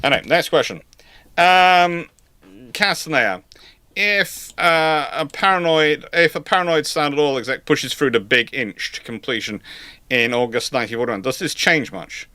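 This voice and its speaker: A man's voice: a little high, sharp tone, no room sound. Guy doing live history q&a, stop-start delivery, dry humour, very dry close sound. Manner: hesitant, halting delivery with repeated words. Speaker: host answering audience questions. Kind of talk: live history Q&A, informal commentary.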